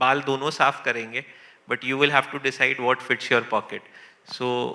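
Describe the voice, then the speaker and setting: The delivery is fairly slow, in an Indian accent. Intonation stays monotone and flat throughout. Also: man. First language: Hindi. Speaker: insurtech executive, panelist. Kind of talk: panel discussion.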